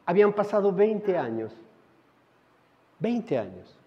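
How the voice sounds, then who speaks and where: A middle-aged male pastor delivers a storytelling sermon in a high-pitched voice. He swings between loud, emphatic lines and hushed, intimate ones. The recording is dull and muffled, with a long church reverb trailing his words. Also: very animated, slow pace. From Colombia. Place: church sanctuary.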